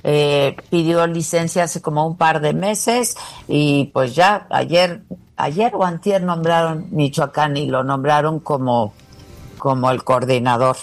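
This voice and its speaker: A woman interviewing a guest on a talk show, asking brisk questions and explaining news plainly. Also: low-pitched, faint music behind.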